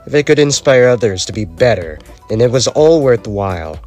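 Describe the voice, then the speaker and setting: Guy doing polite samurai warrior, formal n measured, comic dub, faint music. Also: mid-range voice, very animated, a little mellow, natural voice. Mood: courteous. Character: courteous, noble samurai warrior man. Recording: music behind.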